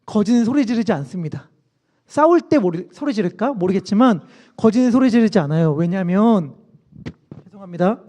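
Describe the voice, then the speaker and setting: A male pastor preaches with his voice sitting very high for a man. He tells the story in an animated way, with wide swings in pitch. He often drops into quiet asides between his livelier stretches. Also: a little fast. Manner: animated storytelling, acts out scenes. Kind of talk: sermon.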